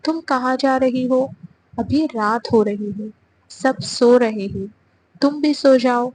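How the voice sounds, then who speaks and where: A woman voicing a brash, short-tempered young man in an audio story, speaking gruffly and with exasperation. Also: high-pitched, darkish tone, a little hiss or hum, close to an everyday voice, rough recording. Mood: firm.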